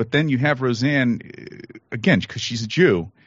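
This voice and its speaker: A man uses a normal speaking voice at a moderate pace, with medium pitch and ordinary pitch variation. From West Virginia, moved from Pennsylvania at seven. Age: 40s. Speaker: podcast guest. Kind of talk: casual chat.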